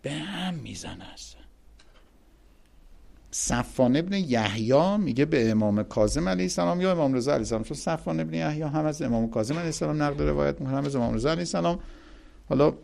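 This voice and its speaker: A man giving a religious lecture, emphatic and animated, reciting Arabic quotations and explaining them to his audience. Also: on the high side, creaky. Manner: animated, emphatic, rises sharply on key points.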